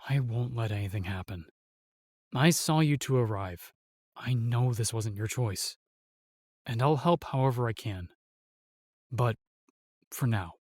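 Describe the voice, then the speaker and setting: A man's voice: medium pitch, unhurried, pauses often, darkish tone, no echo, studio quality, natural voice. An actor playing a protective male knight in a fantasy audio roleplay, formal, courteous and earnest. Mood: reassuring.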